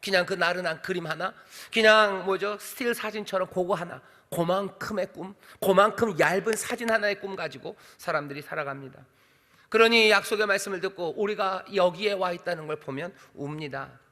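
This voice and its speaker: A man's voice: high-pitched, moderate pace, bright, forceful tone. A male senior pastor preaching a sermon, asking rhetorical questions and answering them himself, and acting out short quoted lines in other voices. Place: church sanctuary. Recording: long hall reverb.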